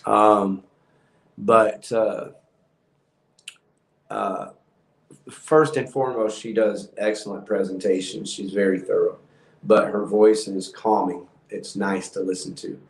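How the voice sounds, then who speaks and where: A man, hosting a livestream and rambling in a calm monotone with many ums. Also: on the low side, slow pace, vocal fry, pauses often, reverberant, low-quality recording. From Texas. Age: 50s. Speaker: house painting business owner hosting a livestream. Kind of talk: rambling casual livestream talk.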